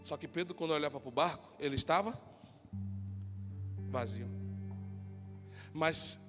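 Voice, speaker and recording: A man, a pastor, preaching a sermon full of personal stories, moving between shouted passages and quiet talk. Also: fairly high pitch, measured pace. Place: church. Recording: long hall reverb with soft music.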